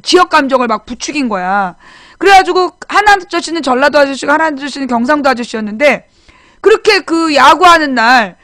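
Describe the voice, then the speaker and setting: Clean studio audio with no echo captures a high, fairly bright female voice. She's a political talk show host in her forties, chatting casually on a live stream about growing up, telling the story loosely with frequent restarts and pausing to read out viewers' names.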